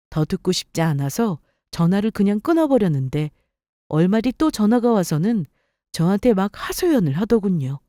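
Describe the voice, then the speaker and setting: A woman narrating a dramatized personal story for story radio and voicing her own sharp-tongued replies. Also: medium pitch, no echo, clean studio sound.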